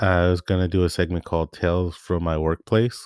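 A man with a very deep, low voice speaks at a moderate pace with fairly even intonation, recorded very cleanly against a silent background with a dry, close sound and no echo. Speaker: podcast host. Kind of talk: solo podcast monologue, casual chat. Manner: monotone; casual, chatty.

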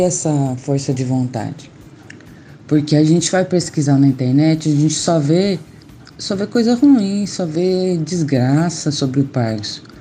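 A woman speaks at a very slow pace in a very deep, low pitch with ordinary pitch variation. Noticeable background noise sits behind her. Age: 40s. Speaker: person with Parkinson's, group member. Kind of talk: casual group chat. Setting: online group call.

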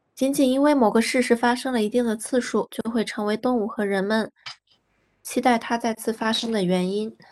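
Against a quiet background, a woman talks at a fairly slow pace. Her pitch is fairly high, and her intonation is fairly even. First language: Chinese (speaking Japanese). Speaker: reading group participant. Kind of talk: reading aloud.

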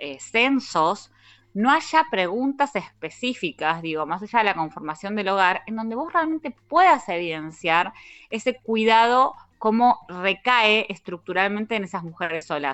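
Moving at a fairly slow pace, a woman with a medium pitch speaks with very wide pitch swings. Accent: Rioplatense. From Argentina, Mar del Plata. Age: 30s. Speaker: political scientist and feminist author. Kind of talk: interview conversation.

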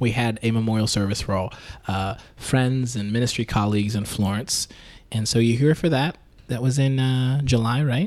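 Speaking at a moderate speed, a plain, everyday voice shows ordinary variation in pitch. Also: man, medium pitch for a man. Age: 20s. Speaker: podcast host. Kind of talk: casual chat.

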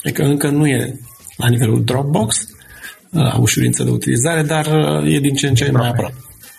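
A man at a very fast pace with long, frequent pauses and very even loudness, amid noticeable background noise and audible room echo. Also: medium pitch for a man, ordinary pitch variation. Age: 40s. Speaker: digital agency founder. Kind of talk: interview.

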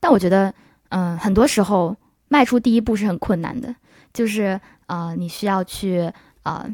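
Her medium-pitched voice moves at a moderate pace with ordinary pitch variation, broken by long, frequent pauses, and the woman is recorded dry and close with no echo. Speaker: podcast co-host, journalism student. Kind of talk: casual chat. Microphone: new microphone.

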